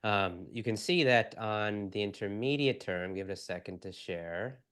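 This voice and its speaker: A man with a hoarse voice from a cold, giving relaxed, conversational market commentary on a video call. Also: lowish voice, normal speed. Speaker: co-host analyst.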